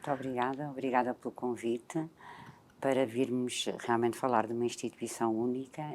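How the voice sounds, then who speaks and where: A woman's very deep, low voice, monotone and flat in intonation, at a moderate pace. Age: 60s. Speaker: social worker. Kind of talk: interview.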